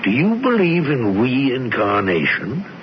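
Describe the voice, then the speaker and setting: A man's voice: mid-range voice, wildly swooping pitch, slow, dull audio, a little hiss or hum. An actor playing a wry, folksy American humorist in a radio drama, drawling and hesitant as he talks. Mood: measured, humoring. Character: wry, folksy American humorist narrating his own tale. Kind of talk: 1970s radio drama acting. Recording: band-limited old radio broadcast, music behind.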